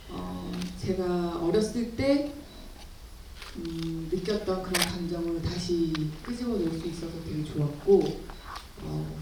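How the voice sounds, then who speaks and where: A woman from Busan speaks thoughtfully at a festival screening Q&A, filling her pauses with soft fillers. The recording is distant and echoing, with noticeable background noise. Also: lowish voice. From Busan, South Korea. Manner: warm, reflective, many fillers. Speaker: actress at a screening Q&A. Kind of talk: festival Q&A talk. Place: cinema auditorium at a film festival. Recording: echoey hall from far off, noisy.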